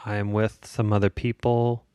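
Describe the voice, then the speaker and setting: A man's voice: fairly low pitch, little pitch movement, normal speed, mellow, clean tone, no room sound, clean studio sound. An American man co-hosting a podcast, telling stories in casual comedic banter. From United States. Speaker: podcast co-host.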